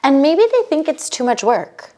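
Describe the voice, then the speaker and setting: Animated woman, emphatic chat. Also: high-pitched. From United States. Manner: animated, emphatic, talks in quick bursts with many asides. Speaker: podcast guest, bridal fashion entrepreneur. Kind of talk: casual conversational interview.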